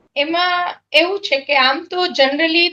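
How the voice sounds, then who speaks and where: This voice is projected and raised. The tone sounds bright and sharp. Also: woman. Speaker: religious storyteller. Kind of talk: interview.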